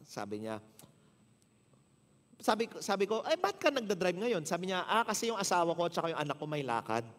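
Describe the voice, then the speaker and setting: Animated Filipino pastor in a reverberant hall. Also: male voice, high voice, brisk, pauses often. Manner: animated, acts out dialogue with shifting voices. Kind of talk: sermon with storytelling. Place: church hall.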